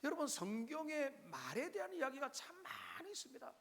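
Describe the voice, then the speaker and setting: A man's voice: very high-pitched, wildly swooping pitch, fairly quick, a bit bright. A male pastor delivering a Sunday sermon in a church, talking straight to the congregation and asking them rhetorical questions. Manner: preaching with frequent direct address to the congregation and rhetorical questions. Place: church sanctuary.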